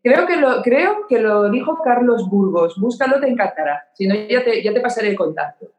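A woman's voice: a little high, expressive, moderate pace. Open-hearted woman, roomy sound. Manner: open, emotional, repeats words for emphasis. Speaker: podcast guest. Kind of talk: candid conversation.

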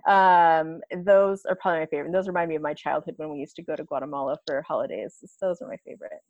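Chatty woman guest in her 30s, lowish voice, dry close sound, laughs a lot. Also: fast talker, no room sound, lo-fi sound. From United States. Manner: chatty, laughs often, animated. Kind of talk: casual interview chat.

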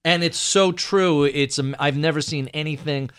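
A man hosting an interview, curious and quick to affirm his guest. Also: on the high side, fairly bright tone, clean tone. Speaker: interview host. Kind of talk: conversational interview.

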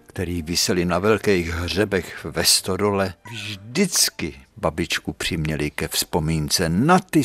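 Old painter guy in his 70s telling memories, slow and musing, goes whispery a lot, deep husky voice. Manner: unhurried, musing, often dropping to a soft whisper. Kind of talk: reminiscing storytelling. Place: painter's studio.

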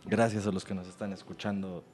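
A young man with a Mexican Spanish accent, hosting a podcast in relaxed casual chat. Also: sits low, fairly quick. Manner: laid-back, wraps up the show. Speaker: podcast host.

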